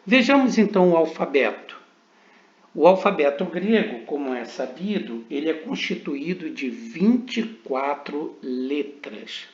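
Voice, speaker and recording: Man, teacher, recorded lesson, slow deliberate delivery, slightly high voice, dull lo-fi sound. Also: sing-song. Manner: slow, deliberate, spells out each letter and sound. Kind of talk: recorded lecture on slides.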